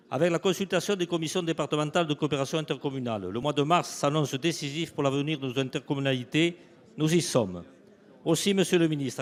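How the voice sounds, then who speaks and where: A man, a member of parliament, reading a formal question to a minister in steady, formal tones. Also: on the high side. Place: large parliamentary chamber. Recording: long reverb of a large chamber.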